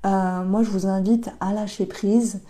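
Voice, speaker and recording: Slow, dark-voiced tarot reader. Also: female voice, medium pitch, steady tone. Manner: slow, reflective, many hesitations. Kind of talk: intuitive tarot reading to camera.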